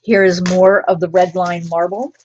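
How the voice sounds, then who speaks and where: A woman's voice: on the low side, flat delivery, moderate pace, a little mellow, muffled recording, a little hiss or hum. A woman hosting a live jewelry sale, chatting casually and drifting into personal stories. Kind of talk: casual live-stream selling chat.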